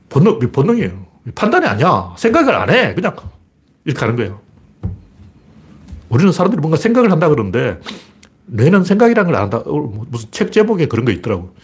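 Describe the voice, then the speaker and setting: A man with a slightly husky, mid-pitched voice holds forth in a loose political monologue. He talks bluntly and emphatically, repeats phrases for effect, and his pitch rises and falls in lively swings. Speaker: political commentator.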